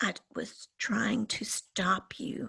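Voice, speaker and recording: This is a put-on character voice, raspy in texture. It hisses and growls as it goes. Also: woman. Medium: read story. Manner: sinister, sneering.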